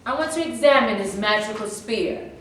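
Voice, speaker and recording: A woman's voice: on the high side, expressive, moderate pace, a bit bright. A woman in a staged reading playing an imperious, conquering prehistoric tribal leader. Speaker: actor. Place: echoey room at a staged reading. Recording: echoey room, distant mic, faint noise.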